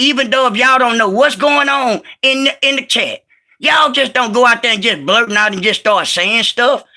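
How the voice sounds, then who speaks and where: An animated man speaks in a raised, projected voice with a bright, sharp tone and an extremely high pitch. His loudness stays very even at a fairly quick pace, with ordinary pitch variation. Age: 40s. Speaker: reaction channel streamer. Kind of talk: livestream chat reaction and trash talk. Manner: animated, repetitive with many fillers; stuttering.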